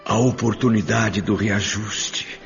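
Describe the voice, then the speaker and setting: An actor playing an anguished, remorseful father in a radio drama, with a Brazilian accent and a solemn, penitent, gravelly delivery. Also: fairly low pitch, steady tone, takes it slowly. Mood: pleading, remorseful. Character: remorseful anguished father praying for his dying daughter. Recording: muffled, long reverb, music underneath.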